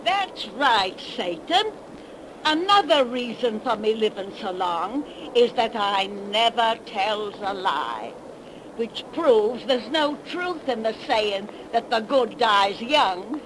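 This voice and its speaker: A woman playing a cackling, ancient witch who talks in a slow rustic drawl, in 1930s radio drama style. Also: on the high side, expressive. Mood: boastful. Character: ancient cackling female witch, 110 years old. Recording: hissy 1930s radio broadcast recording.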